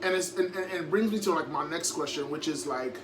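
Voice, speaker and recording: An energetic man hosting a casual interview, chatty and upbeat, often saying "like" and "yo". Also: fairly high pitch, fast. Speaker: motivational speaker and interviewer. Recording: distant mic with noise and hum.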